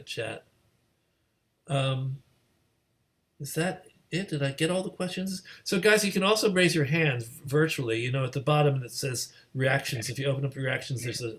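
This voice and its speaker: A man hosting a question session on a video call, casual in style, with a hesitant, meandering way of talking. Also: medium pitch. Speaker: host, moderator.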